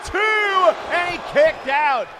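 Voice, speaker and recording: High-pitched, excitable male wrestling commentator over crowd noise. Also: takes it slowly. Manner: excitable, dramatic calls. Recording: loud crowd noise behind voice.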